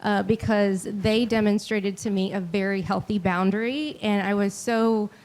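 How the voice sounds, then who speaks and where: A woman's voice: mid-range voice, fairly even intonation, normal speed, darkish tone. A woman in the audience sharing an earnest, heartfelt reflection. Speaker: audience member. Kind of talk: spoken comment from the audience.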